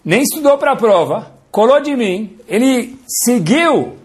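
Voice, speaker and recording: A man's voice: very high voice, very animated, slow, voice pushed up, exaggerated voice. A man voicing a sulking, aggrieved young man who complains indignantly about being passed over for his brother. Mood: aggrieved whining.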